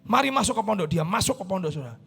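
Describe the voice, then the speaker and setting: Indonesian male pastor, very high gravelly husky voice, dramatic sermon storyteller, music bed behind. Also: rapid-fire. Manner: animated, acts out voices in the story, swings between shouting and hushed.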